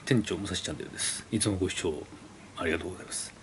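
This motorcycle channel host has a low voice with a fairly bright tone, and some slight background noise is present. He chats and rambles informally as he pages through an old brochure, reading its copy aloud slowly and questioning the viewer.

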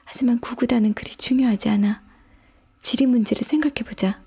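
A woman's voice: fairly high pitch, fairly quick, dark tone, voice pushed up. Alice, a woman whispering as a puzzled little girl. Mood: bewildered. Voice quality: breathy whisper. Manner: bewildered, questioning herself aloud. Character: curious puzzled little girl, easily upset. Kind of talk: whispered role-play.

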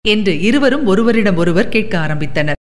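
Expressive woman storyteller with long reverb. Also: medium pitch, normal speed. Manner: expressive, animated reading. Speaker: radio storyteller and host. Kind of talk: scripted short story narration.

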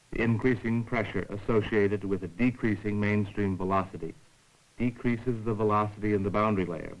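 A man with a fairly low voice narrates an educational science film. His delivery is scripted, formal and measured, explaining each point in the orderly way of a lecturer. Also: low-quality recording.

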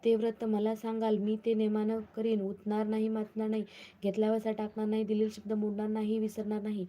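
A woman's voice: mid-range voice, completely flat delivery, brisk, warm tone, close to an everyday voice. A woman playing a cautious young palace maid in a spoken folk story, rattling off questions and warnings. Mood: earnest.

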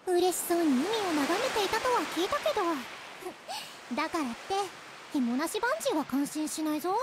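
A woman's voice: very high-pitched, very animated, very fast, background noise. A woman playing a caring, easygoing teenage girl in an anime visual novel game. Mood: gently concerned. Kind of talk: Japanese visual novel voice acting. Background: game music.

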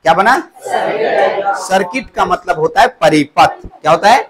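High-voiced man lecturing a class. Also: animated, normal speed, a bit bright, a faint crowd, a little hiss or hum. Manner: repeats key words as questions to the class. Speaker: polytechnic teacher. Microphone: clip-on mic at the waist.

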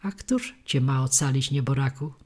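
Tuńczyk, a hoarse old tuna, read by a woman. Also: extremely low pitch, moderate pace, a little mellow. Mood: resigned. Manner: resigned, dignified.

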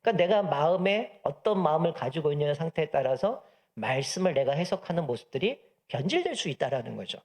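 Animated Korean pastor preaching a sermon. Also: male voice, a little high, fairly quick. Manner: animated preaching, acts out dialogue of devil and God in a humorous anecdote.

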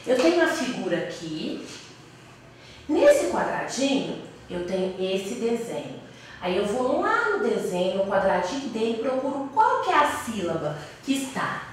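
Brazilian lady teacher going slow, sounding out syllables for little kids, bit far from the mic, faint hiss. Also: high voice. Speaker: primary school teacher. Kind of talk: classroom lesson for young children. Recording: echoey room, voice from a distance.

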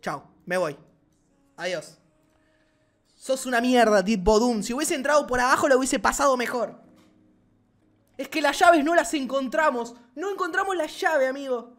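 A man with an Argentine accent giving excited gameplay commentary as a gaming channel host, swearing and shouting often. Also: very high-pitched, normal speed, long pauses. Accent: Argentine Spanish.

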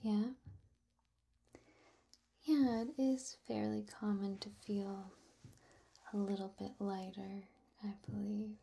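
A young woman playing a gentle, attentive potion maker in a soft-spoken, breathy, slow and reassuring ASMR roleplay, close to the microphone. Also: mid-range voice, flat delivery, exaggerated voice. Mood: soothing. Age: young adult. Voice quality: breathy, whispery.

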